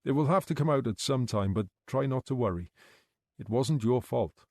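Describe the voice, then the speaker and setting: Man doing a patient detective, gentle measured questions, mellow voice, lively intonation. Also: mid-range voice, dry recording, studio quality. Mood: calm. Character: calm, patient male detective.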